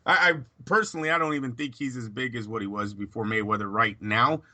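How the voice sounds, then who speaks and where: Bright-voiced opinionated boxing pundit man. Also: medium pitch, fairly even intonation. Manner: opinionated, talks in quick bursts with fillers and restarts. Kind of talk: casual sports chat.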